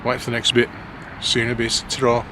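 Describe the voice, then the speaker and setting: A man's voice: medium pitch, monotone, fast. A man with a Black Country accent chatting casually and a little self-consciously in a rambling vlog. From West Midlands, England. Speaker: amateur vlogger, lorry driver. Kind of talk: casual vlog chat to camera. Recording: clear road and vehicle noise.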